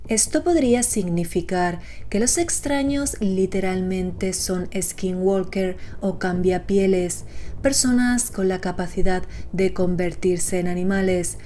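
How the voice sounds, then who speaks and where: A woman's voice: on the low side, measured pace, mellow, slight background noise. A woman reading scripted narration as the narrator of an explainer video.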